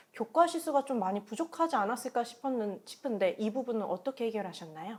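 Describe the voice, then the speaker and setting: This woman's voice sits fairly high and moves with lively intonation. Noticeable background noise runs underneath. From Korea, Incheon. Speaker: teacher co-host of education show. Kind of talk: casual interview chat.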